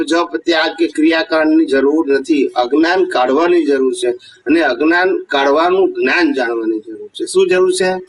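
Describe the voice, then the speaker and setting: A man with a high voice delivers a devotional talk to a gathering. He tells stories and keeps asking his listeners whether they have understood. His voice is picked up from some distance away from the microphone. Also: breathy edge. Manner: storytelling with rhetorical questions. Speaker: spiritual teacher.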